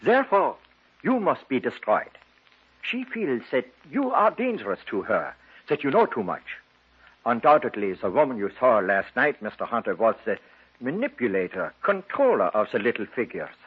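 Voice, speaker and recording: A man's voice: mid-range voice, big pitch swings, normal speed, breathy edge. An actor playing a formal, authoritative male occult doctor in a 1950s radio drama, on a dull old broadcast recording. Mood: grave.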